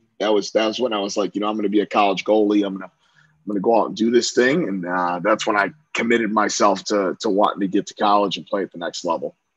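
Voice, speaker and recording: Spoken very fast with an American accent, barely pausing and keeping a fairly even intonation. The sound is dry and close with no echo, and the loudness swings widely. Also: man, fairly low pitch for a man. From upstate New York. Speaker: college lacrosse coach and former goalie. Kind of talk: podcast interview.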